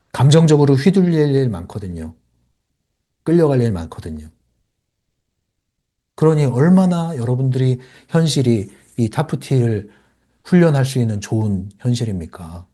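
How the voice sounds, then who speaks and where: A man's voice: mid-range voice, warm tone, breathy edge. A man hosting a spoken book lecture, emphatic and acting out inner thoughts as he explains. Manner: emphatic, acts out inner monologue with sighs and asides. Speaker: channel host explaining a self-help book.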